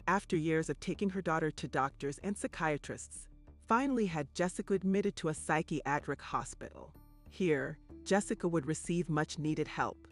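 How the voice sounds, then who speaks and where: A man reading scripted true crime documentary narration in a grave, measured way. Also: on the high side.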